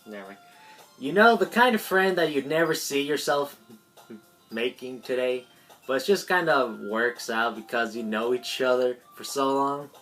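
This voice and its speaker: This video creator's rumbling low, slightly bright voice carries an amateur read-aloud of a visual novel. She interrupts with asides, stumbles over lines and corrects herself.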